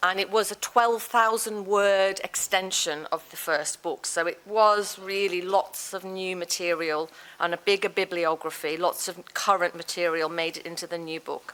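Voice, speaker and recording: Speaking with a Liverpool accent, a woman keeps her intonation fairly even and barely pauses. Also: medium pitch for a woman, moderate pace. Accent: Liverpool (Scouse) English. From northern England, Liverpool. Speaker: academic author, fashion studies. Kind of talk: lecture. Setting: conference stage with audience. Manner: hesitant with fillers.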